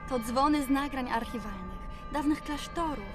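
An actress playing a serene, devout, gently amused nun in a radio drama, speaking reflectively. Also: female voice, high voice, normal speed, music in the background, close to an everyday voice. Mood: amused, explaining.

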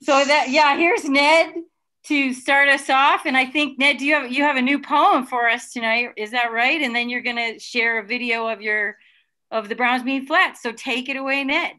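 A woman's voice: high voice, fairly even intonation, normal speed, sharp tone. A middle-aged woman hosting a virtual reading over a video call from home, chatty and enthusiastic. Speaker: event MC. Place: room at home. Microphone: video call webcam.

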